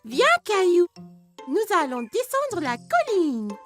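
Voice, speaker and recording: A friendly child playmate in a children's cartoon. The voice is tiny and very high, with lively, inviting intonation over faint music. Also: slow pace, full character voice. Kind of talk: French-language children's cartoon dubbing.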